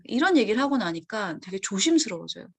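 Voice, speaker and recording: A woman co-hosting a psychology talk show, speaking in a thoughtful, gently reflective way. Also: mid-range voice, sing-song, fast talker, breathy edge. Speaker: podcast co-host. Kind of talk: casual explanatory chat.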